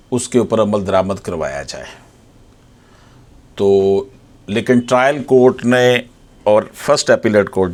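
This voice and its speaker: A man with a Pakistani accent explains law to viewers like an advocate, formally, repeating key points and switching into slowly read English. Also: mid-range voice. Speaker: advocate presenting legal explainers. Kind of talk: explanatory legal lecture to viewers.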